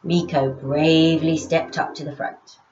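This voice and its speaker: A woman author reading her own story aloud in an expressive children's storytelling style. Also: low-pitched, a little slow, lo-fi sound, a little hiss or hum.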